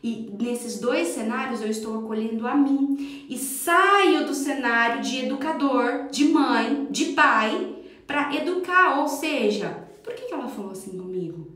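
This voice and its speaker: A woman's voice: fairly high pitch, unhurried, fairly bright tone. Earnest Brazilian woman, echoey room. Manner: earnest, emphatic, addresses listeners directly. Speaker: parenting educator. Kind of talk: live-streamed parenting talk.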